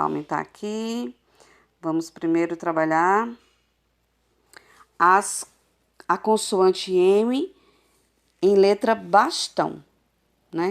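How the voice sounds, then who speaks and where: Woman teacher talking slow on a phone, stretching out syllables, patient, middle pitch. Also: gravelly. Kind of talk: recorded adult literacy lesson.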